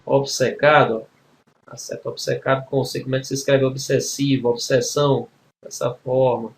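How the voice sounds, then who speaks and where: A man's voice: mid-range voice, level tone, moderate pace. A man teaching a grammar exam-prep lesson, explaining spelling rules step by step and checking in with frequent tag questions.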